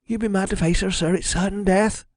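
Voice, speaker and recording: Man voicing a terrified, high-pitched servant woman. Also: steady tone, fairly quick, no echo. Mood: frantic pleading. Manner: trembling, breathy pleading in rustic dialect. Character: terrified superstitious servant woman, pleading with her master.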